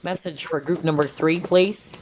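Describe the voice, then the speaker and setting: A woman's voice: deep voice, fairly even intonation, normal speed, darkish tone, a little hiss or hum. A woman giving a tarot reading in a chatty, reassuring way, saying she is losing her voice. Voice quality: strained, tiring voice. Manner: chatty, reassuring, full of fillers and "okay?" check-ins. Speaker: tarot reader.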